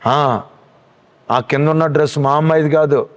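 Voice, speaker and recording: A man voicing an indignant middle-aged father who defends his daughter with accusing questions, in a lower voice than his own. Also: fairly even intonation, moderate pace, lightly acted.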